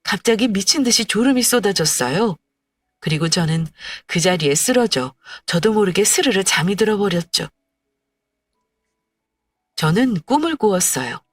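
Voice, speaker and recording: A woman narrating a heartfelt first-person story in a plaintive, steady way. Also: fairly low pitch. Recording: dry, far from mic, faint music.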